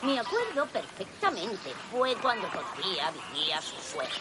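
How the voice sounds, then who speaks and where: An insistent village neighbor. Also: female voice, mid-range voice, wildly swooping pitch, moderate pace, heavy background noise. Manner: insistent, confrontational.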